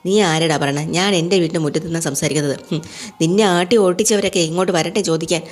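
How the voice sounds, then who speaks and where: A woman acts out an older father in a family serial, vengeful and blustering as he swears to punish his son's accusers. The voice is low and the threats come quickly and plainly. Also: steady tone, natural voice. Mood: threatening. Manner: menacing, blustering.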